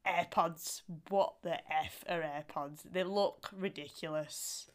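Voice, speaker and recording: A woman in her thirties co-hosting a podcast, chatting casually and giving her opinions with a quick laugh. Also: lowish voice, fairly even intonation. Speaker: podcast co-host. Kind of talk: casual chat.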